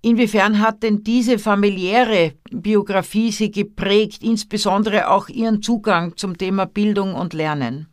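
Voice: medium pitch, fairly even intonation, a little slow, few pauses, no room sound, studio quality. A university interviewer asking questions in a conversational way, with frequent fillers.

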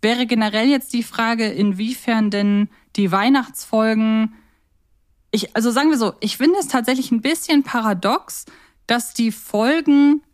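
A woman's voice: a little high, measured pace. A woman chatting casually as co-host of a fan podcast.

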